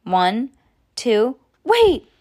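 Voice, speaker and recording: A woman reading a storybook as a bossy, excitable young schoolgirl, insistent and dramatic. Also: fairly high pitch, drawn-out words, pitched above the performer's own voice, full character voice.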